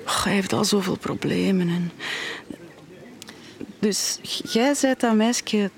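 A woman's voice: medium pitch, takes it slowly. An actress playing a worried, devout middle-aged mother with a Flemish accent in an audio drama. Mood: anxious. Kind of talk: naturalistic audio drama acting.

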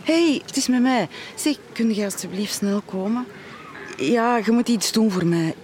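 A woman's voice: fairly high pitch, lively intonation, measured pace, darkish tone, slight background noise. An actress playing a worried, devout middle-aged mother with a Flemish accent in an audio drama. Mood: urgent. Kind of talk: naturalistic audio drama acting.

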